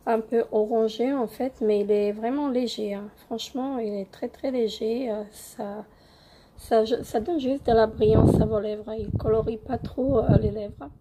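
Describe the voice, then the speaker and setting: A young woman with a cold-roughened voice, hesitantly reviewing beauty products in a casual home vlog with many fillers. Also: a little high, fairly even intonation, unhurried, dark tone, slight background noise, rough recording. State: hoarse from a cold. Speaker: beauty vlogger.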